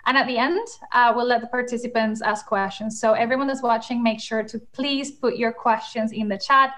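Young woman, slightly high voice, enthusiastic moderator, video call audio. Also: steady tone, moderate pace, a bit bright. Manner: upbeat, enthusiastic, many fillers. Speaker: panel moderator. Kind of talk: hosting a video panel. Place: home room, in England.

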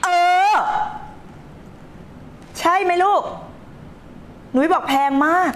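A woman's voice: drawn-out words, a bit bright, slight background noise. A woman life coach hosting a live stream, talking emphatically, scolding and teasing her viewers and reading their comments aloud. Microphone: streaming setup.

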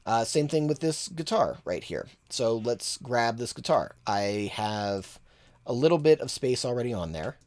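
Relaxed man explaining a mix. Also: mid-range voice, measured pace. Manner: relaxed, thinking aloud with fillers. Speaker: mixing engineer and tutor. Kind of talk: casual screen-share tutorial. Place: home studio room.

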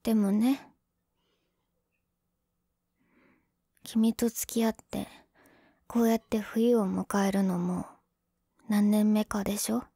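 A woman's voice: medium pitch, little pitch movement, measured pace, warm tone, breathy edge, no echo, clean studio sound. A woman playing a young tsundere girlfriend in an ASMR role-play, huffy and sulky but affectionate underneath. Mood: softening, affectionate.

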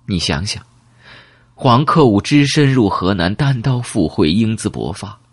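A man voicing a calm, secretive elderly woman who reminisces in a measured, wistful way in an audiobook. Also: fairly low pitch, breathy edge, no echo, full character voice. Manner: slow, measured, reminiscing with rhetorical questions.

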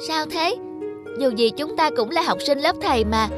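Little schoolgirl, high-pitched, earnest, persuasive, coaxing, cartoon, music behind. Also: lively intonation, moderate pace. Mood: eager, coaxing. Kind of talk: children's cartoon dialogue.

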